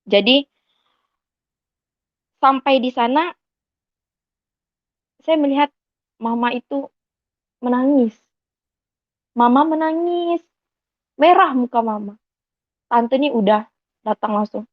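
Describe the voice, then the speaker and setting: A woman's voice: high-pitched, slow pace, pauses often, no echo. A young woman from Indonesia tells her personal testimony earnestly and acts out the voices of the people in it. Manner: earnest storytelling that acts out quoted dialogue. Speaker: convert giving a testimony. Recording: slightly dull, dry recording.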